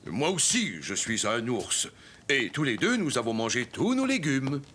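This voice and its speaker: A man playing a playful, patient grown-up who humors a small child in a cartoon, with drawn-out, exaggerated delivery. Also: mid-range voice, very animated, fairly bright tone, a little hiss or hum. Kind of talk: cartoon dub acting.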